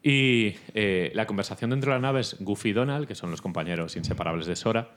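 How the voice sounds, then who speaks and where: Male podcast host, Spain Spanish accent, fairly low voice, rambling anecdotal delivery. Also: a little fast, slight background noise. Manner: rambling, animated storytelling. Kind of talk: casual podcast chat.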